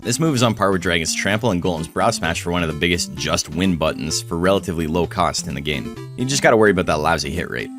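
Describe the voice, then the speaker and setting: A man narrating a scripted video essay in a blunt, casual way that includes free swearing, his voice hoarse, cracking and frying. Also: low voice, expressive, fast talker, hardly any pauses, music in the background. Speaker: host of a game strategy channel.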